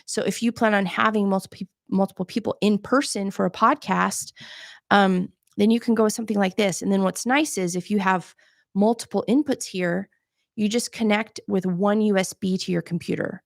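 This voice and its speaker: Casting: soft-spoken woman coach, slight fry, close dry mic, casual livestream tutor. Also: medium pitch, steady tone, normal speed, no room sound. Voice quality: soft-voiced. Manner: chatty, demonstrating gear on camera. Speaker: podcast coach hosting a live Q&A. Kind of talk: casual live-stream tutorial.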